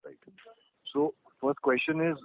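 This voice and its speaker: A man's voice: a little high, measured pace. A male analyst asking probing, polite questions on an earnings call. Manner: polite, probing, lively intonation. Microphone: phone line. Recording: dry tinny phone line.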